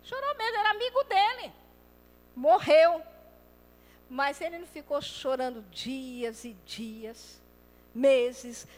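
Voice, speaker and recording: A woman preaching a lively sermon. She acts out quoted voices and swings between loud and soft. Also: high-pitched, big-room sound.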